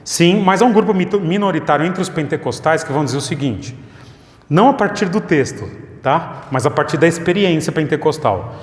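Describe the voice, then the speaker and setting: A man with a fairly high voice leads a church Bible study in a conversational, explanatory way. His voice rings through an echoey hall with a long reverb. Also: animated, fairly quick. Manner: explanatory, conversational, repeats questions for the audience. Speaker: pastor.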